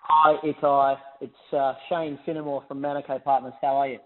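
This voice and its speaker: A man's voice: medium pitch, level tone, moderate pace. A man calls in as an investor, putting questions conversationally on an earnings call. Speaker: investor caller. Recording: narrow, tinny phone line.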